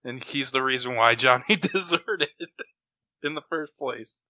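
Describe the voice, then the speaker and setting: A man's voice: mid-range voice, measured pace, bright, forceful tone, dry recording. A man co-hosting a podcast in casual discussion. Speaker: podcast co-host.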